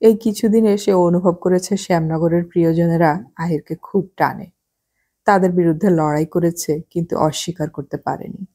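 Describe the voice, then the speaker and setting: Low husky woman reading a novel. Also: fairly even intonation, moderate pace, mellow. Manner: shifts pitch for each character's lines. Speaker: audiobook narrator. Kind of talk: novel reading with acted dialogue.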